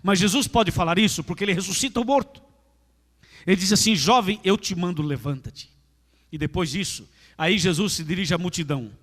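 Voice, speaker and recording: A man's voice: high-pitched, brisk, a bit bright. A Brazilian man preaching a sermon as pastor, emphatic and repetitive, speaking straight to his congregation in a large church. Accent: Brazilian Portuguese. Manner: emphatic, repetitive preaching, addresses listeners directly. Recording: echoey church hall.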